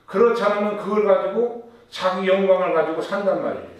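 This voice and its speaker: A man's voice: high voice, brisk. A male pastor preaching a sermon, putting questions to his congregation and answering them. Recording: echoey room with a distant mic.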